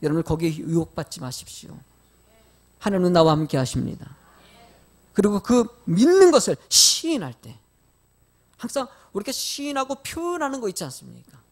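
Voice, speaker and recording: Lively high-voiced middle-aged pastor preaching. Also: male voice, normal speed. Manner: animated, questions the congregation directly; folksy storytelling with light humor. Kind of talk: sermon.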